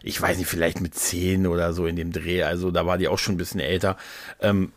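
A man's voice: low-pitched, little pitch movement, brisk, no echo. A man chatting casually as a podcast host about audio dramas, enthusiastic and rambling, often correcting himself.

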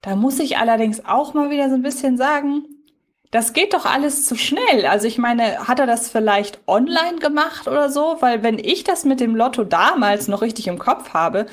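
A woman's voice: sits high, animated, moderate pace. A woman co-hosting a podcast in casual chat, reflective and questioning, picking her words with care. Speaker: podcast co-host. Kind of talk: casual chat about audio drama episodes.

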